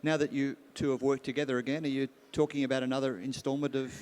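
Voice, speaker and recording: A male moderator with a mid-pitched voice who talks fast. He runs a live question-and-answer session, putting questions to the panel and handing over to the floor. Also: flat delivery, a little mellow.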